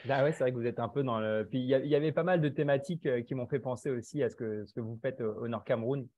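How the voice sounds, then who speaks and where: A man hosting an online live interview, friendly and quick to laugh, with frequent hesitant fillers. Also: mid-range voice, a little mellow. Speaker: host. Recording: dull, dry sound.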